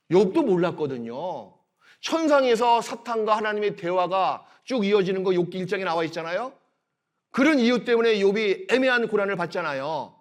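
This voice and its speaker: A middle-aged male pastor preaching in a church, explaining scripture slowly and voicing God's words in gentle quotes. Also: high-pitched. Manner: slow, emphatic delivery with swings between loud and soft. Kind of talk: sermon. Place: church sanctuary.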